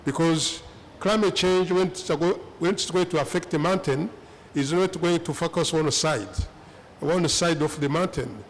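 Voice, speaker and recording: A man from the African Great Lakes region answering a panel question, speaking haltingly with many fillers and restarts. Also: on the high side, slight background noise. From East Africa, Great Lakes region.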